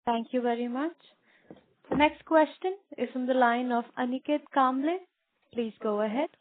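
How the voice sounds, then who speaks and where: A woman's voice: high voice, moderate pace, no echo. A woman moderating a conference call as operator in a scripted way. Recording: dry, thin telephone line.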